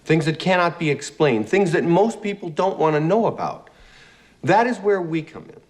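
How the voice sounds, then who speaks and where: An actor playing an earnest male ghost hunter delivering a solemn scripted pitch. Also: big pitch swings, normal speed. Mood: solemn, portentous.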